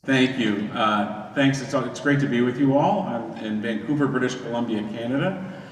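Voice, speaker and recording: A man with a mid-range voice speaks at normal speed as a guest presenter, giving a casual live demonstration in a large indoor social hall. A conference camera microphone picks him up from a distance, so the recording sounds echoey and noisy.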